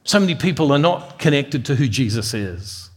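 A man's voice: medium pitch, lively intonation, moderate pace, husky. A middle-aged man giving an earnest devotional sermon as a Catholic preacher. He tells a personal story and often repeats words as he builds a point.

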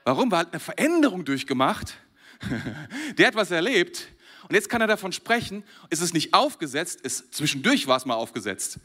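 A man from Germany preaching a sermon to a congregation, animated and chuckling often between phrases. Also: a little high, normal speed.

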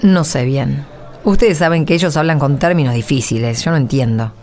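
A woman's voice: low-pitched, normal speed, a little mellow. A woman playing a worried, weary young mother in a radio drama, speaking hesitantly with an Argentine accent. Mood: anxious, downcast. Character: Jimena, worried poor young mother, humble, weary, grateful.

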